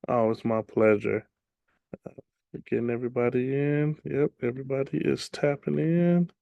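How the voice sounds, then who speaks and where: A man teaching an online class as a real estate trainer, his voice slightly raspy from much teaching, chatty and relaxed with many ums. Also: medium pitch, normal speed, no room sound, highs cut off. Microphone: video call.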